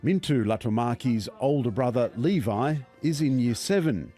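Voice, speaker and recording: A man giving scripted documentary narration in a measured, explanatory way. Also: medium pitch, animated, mellow, faint music behind.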